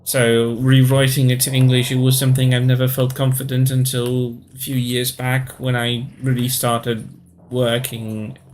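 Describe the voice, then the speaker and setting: A man in his thirties from Poland, speaking English with a Polish accent in a casual live-stream chat, pausing often to search for words. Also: medium pitch, monotone, darkish tone, slight background noise. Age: 30s.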